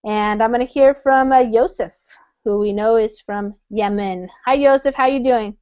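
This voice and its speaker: A woman's voice: on the high side, moderate pace, mellow, clear, resonant tone, highs cut off. A woman from the United States teaching an online English class over a video call, friendly and chatty with many fillers.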